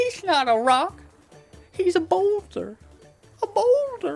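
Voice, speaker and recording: A put-on character voice with a playful tone, extremely high pitch and a fairly slow pace, over faint music in the background. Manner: silly, playful, pedantic.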